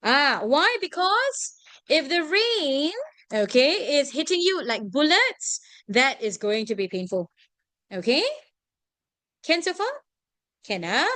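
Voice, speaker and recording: Singaporean lady tutor on a video call, high bright voice, dry close sound, always asking right? okay?. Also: slow pace, pauses often, dry recording. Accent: Singaporean English. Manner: animated, constantly checking in with "right?" and "okay?". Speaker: tuition teacher. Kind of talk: online revision class.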